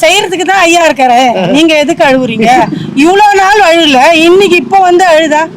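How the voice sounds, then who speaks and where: A woman's voice: very high voice, brisk. A middle-aged woman, firm and insistent, answering a street interview outdoors. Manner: firm and insistent, polite address. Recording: loud street crowd noise.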